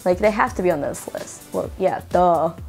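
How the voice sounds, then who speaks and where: Woman host in her thirties, low gravelly voice, chatty and self-mocking, soft music under. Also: normal speed. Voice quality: low, slightly mannish voice. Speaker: interview channel host. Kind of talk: casual video narration.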